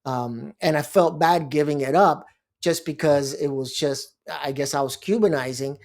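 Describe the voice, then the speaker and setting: A man's voice: fairly high pitch, moderate pace, a little mellow. A middle-aged man from Miami, a lawyer, talking casually in a rambling monologue with asides and restarts. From Miami, Florida. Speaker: bankruptcy lawyer and blog host.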